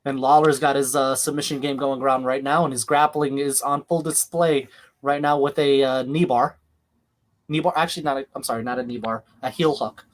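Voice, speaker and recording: A young man from New York hosting a casual watch-along podcast, calling the action excitedly and laughing often. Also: mid-range voice, fairly quick. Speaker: podcast host.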